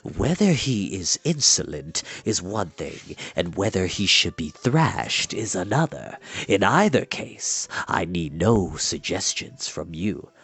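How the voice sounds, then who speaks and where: Man voicing a low, unruffled old enchanter. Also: slow pace, hardly any pauses, breathy edge, heavily acted. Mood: unperturbed, dismissive. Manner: calm, dismissive, low-key.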